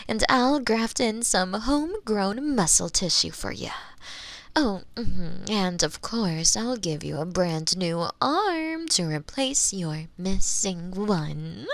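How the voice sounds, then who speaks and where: A woman's voice: mid-range voice, a bit bright, no echo, full character voice. A woman voicing a gloating, coldly sadistic female mad scientist in an ASMR roleplay, savoring her words close to a binaural microphone. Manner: theatrical, savoring, gloating, lapsing into whispers and giggles. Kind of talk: ASMR roleplay, theatrical monologue to the listener.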